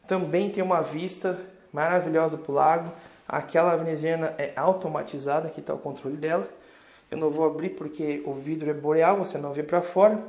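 A man's voice: a little high, darkish tone. A man, a real estate agent giving a chatty, enthusiastic house tour, speaking to the viewers from inside the home. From southern Brazil. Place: large furnished house, indoors.

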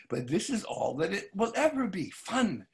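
A worldly older-brother nobleman, acted by an older man in a stage play. The voice is very raspy and creaky, a bit high-set, teasing and paternal. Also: sing-song, a little slow, full character voice. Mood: amused lecturing. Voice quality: gravelly, husky. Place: home study, video call.

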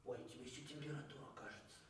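A man's voice: mid-range voice, level tone, very fast, close to an everyday voice. A man playing a cheerful, caring clown who teaches children how to stay healthy, recorded in a children's TV studio. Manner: fussy, instructive, talks to children. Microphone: distant camera mic. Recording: echoey studio from far off.

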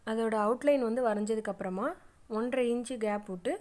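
A woman's voice: on the high side, brisk, darkish tone. A middle-aged woman, narrating a step-by-step sewing tutorial with plain, patient instructions. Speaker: craft channel host.

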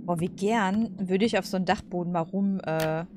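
A woman gives casual commentary as she plays a game, thinking aloud in slangy, informal talk. Her voice is on the low side, with clear game ambience behind it. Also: moderate pace, noisy background. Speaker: let's play host.

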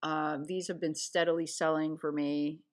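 Woman, low voice, casual voice-over, chatty, rambling, self-correcting. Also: flat delivery, normal speed. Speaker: online reseller. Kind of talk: casual screen-recorded sales recap. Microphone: voice-over to screen recording.

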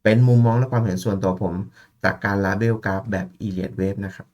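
A man's voice: deep voice, fairly even intonation, normal speed, darkish tone. Chatty man talking through trading charts. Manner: chatty, calls listeners "พี่" and "น้อง", thinks aloud. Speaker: gold market analyst. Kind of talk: casual chart analysis talk.

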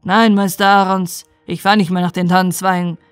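Woman voicing remorseful ex-thief, halting, earnest, firm, storybook. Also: on the low side, level tone, clean tone, no room sound, faint music behind, lightly acted. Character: remorseful poor man, a former thief.

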